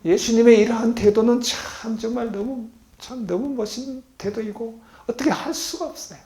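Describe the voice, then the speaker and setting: A man preaching as a pastor, leading the congregation in reading and call-and-response, moving between loud exclamations and soft low asides. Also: steady tone, moderate pace. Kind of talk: sermon with congregation reading along. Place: healing center meeting hall. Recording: echoey hall.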